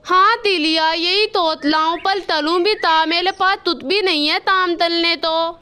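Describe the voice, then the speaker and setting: A woman's voice: very high voice, fairly even intonation, a little slow, pushed and bright, full character voice. Woman doing a lisping cartoon crow dad. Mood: lisping, sad. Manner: lisping baby-talk speech. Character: lisping male crow father, kind and self-sacrificing.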